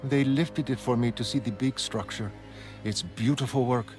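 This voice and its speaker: A man voicing a precise, aloof female illustrator who speaks crisply. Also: medium pitch, normal speed, natural voice. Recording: music underneath.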